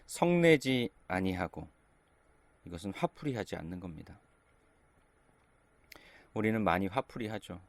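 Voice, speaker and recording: A middle-aged male pastor giving a sermon, speaking gently and conversationally in short phrases. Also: low-pitched, lively intonation, measured pace, long pauses, no room sound.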